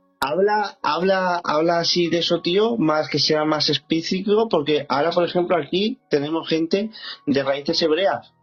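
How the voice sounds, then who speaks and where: Speaking at a fairly slow pace with a Valencian accent, a man uses a high pitch, ordinary pitch variation and very even loudness. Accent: Alicante. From Spain, Alicante. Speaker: church host. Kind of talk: question and answer moderation.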